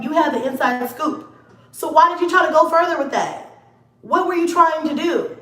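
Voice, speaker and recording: A young woman with a high voice delivers a blunt, profane vlog rant aimed straight at a rival. She sits some way back from the mic, so the room rings around her words. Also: fairly bright tone. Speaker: YouTuber. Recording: echoey room, mic at a distance.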